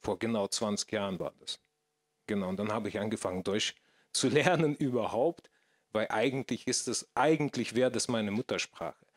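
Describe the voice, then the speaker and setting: A man's voice: on the low side, normal speed. A man in his thirties with a Russian accent, a guest on a stage panel, talking hesitantly with many restarts into a handheld mic. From former Soviet Union. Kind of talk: panel discussion. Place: stage in a small theater, indoors. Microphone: handheld microphone.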